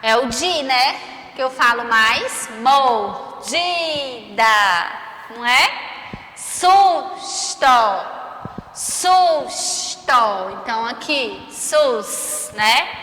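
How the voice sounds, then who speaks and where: High-voiced Brazilian teacher, slow and echoey. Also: female voice, sharp tone. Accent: Brazilian Portuguese. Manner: stretches and stresses syllables, asks many tag questions. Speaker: primary school teacher. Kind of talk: remote class lesson for children. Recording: roomy echo, long reverb.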